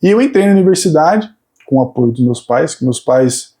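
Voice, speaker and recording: A man's voice: fairly high pitch, expressive, a little fast, dark tone. A man in his thirties, a fitness coach, talking earnestly about his path with many hesitant restarts. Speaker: fitness coach and PhD student guest. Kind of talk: casual interview chat.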